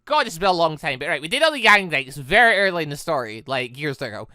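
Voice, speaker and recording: Bright, lively, rambling gamer commentary. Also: mid-range voice, quick pace, no echo, clean studio sound. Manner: rambling, self-interrupting, excitable. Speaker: game streamer reading a visual novel aloud. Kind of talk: casual let's play commentary.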